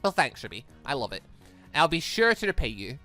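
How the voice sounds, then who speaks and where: Gaming host, read-along commentary, bright forceful tone, very animated pitch, rambling asides, light background music. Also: brisk. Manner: animated, rambling, slips between reading and reacting. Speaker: YouTube host reading a visual novel aloud.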